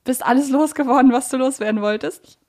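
A woman's voice: high-pitched, fairly quick, a little mellow. A woman hosting a casual podcast discussion, chatty and rambling, often correcting herself mid-thought. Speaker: podcast host. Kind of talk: casual podcast discussion of an audio drama series.

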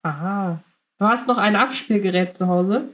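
A woman speaks as a podcast host in a voice of average pitch. She puts questions to guests in a casual, conversational style. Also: normal speed, fairly bright tone.

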